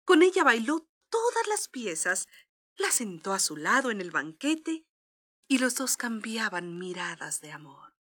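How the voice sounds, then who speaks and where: A woman's voice: a little high, sing-song, a little slow, a bit bright. A woman narrating a scripted children's story as a storyteller.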